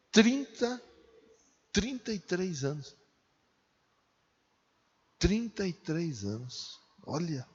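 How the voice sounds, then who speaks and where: A pastor in his forties with a Brazilian accent talks slowly and chattily through his sermon, throwing questions out to the congregation. His voice sits a bit high and carries a gravelly edge. The sound is dull and lo-fi, with a long echo trailing behind him as if in a hall. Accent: Brazilian Portuguese. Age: 40s. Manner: conversational preaching with rhetorical questions.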